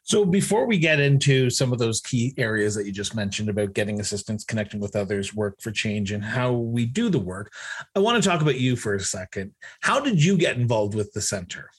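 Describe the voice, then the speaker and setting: A man's voice: mid-range voice, big pitch swings, fairly quick, husky. A man hosting an interview show, speaking with emphasis and repeating words as he stresses his points. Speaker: podcast host.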